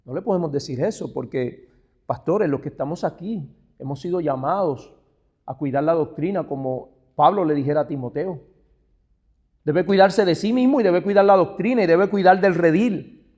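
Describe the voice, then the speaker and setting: A man from Puerto Rico with a Puerto Rican Spanish accent, a pastor teaching other pastors. He calls his listeners brother, asks them rhetorical questions, and moves from hushed asides to emphatic, stressed phrases. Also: on the high side, moderate pace. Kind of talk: church teaching talk.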